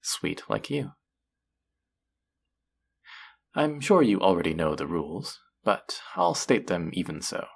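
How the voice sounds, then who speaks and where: A voice actor playing a flirty, possessive demon casino dealer in an intimate audio roleplay, teasing and taunting in a low, husky, breathy voice. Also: very animated, full character voice. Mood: playful, smooth. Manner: teasing, taunting, slow and drawn-out.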